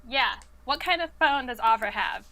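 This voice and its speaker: A woman's voice: a little high, animated, normal speed, bright, forceful tone. A woman hosting a quiz, reading out trivia questions and chatting casually with the players. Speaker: quiz host.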